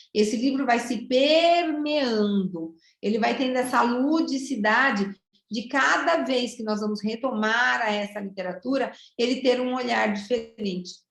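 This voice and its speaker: A Brazilian woman teaching teachers over a video call, chatty and lively, asking the group questions. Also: a little high, roomy sound. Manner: warm, lively and chatty, with many "né?" asides. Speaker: teacher trainer. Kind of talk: online teacher training lesson.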